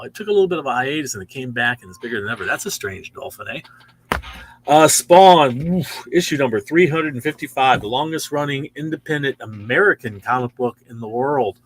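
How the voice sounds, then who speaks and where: A man's voice: medium pitch, expressive, fairly quick, a little hiss or hum. Chatty man in his sixties. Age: 60s. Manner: chatty, easily impressed, lots of wows. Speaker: comic shop host. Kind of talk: casual show-and-tell of new comics. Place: comic book store.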